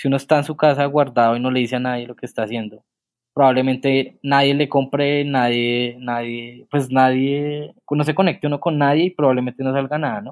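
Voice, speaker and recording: A man's medium-pitched, fairly even voice at a fairly quick pace. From Colombia. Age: 20s. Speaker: digital entrepreneur. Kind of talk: interview. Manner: halting, with frequent repetitions.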